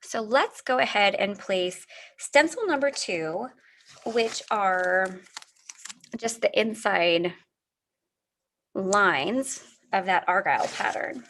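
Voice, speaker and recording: A woman's voice: medium pitch, takes it slowly, long pauses, a bit bright, slight background noise. Chatty woman hosting a craft livestream. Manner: friendly, chatty, answers viewer comments as she works. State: a little sniffly from allergies. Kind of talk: live card-making demo, chatting with viewers.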